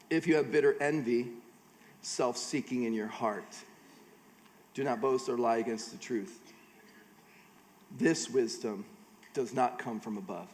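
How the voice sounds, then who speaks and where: A man's voice: medium pitch, slight background noise. A middle-aged American man preaching a conversational sermon at a church conference, slipping joking asides between scripture readings. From United States. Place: large church auditorium. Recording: long hall reverb.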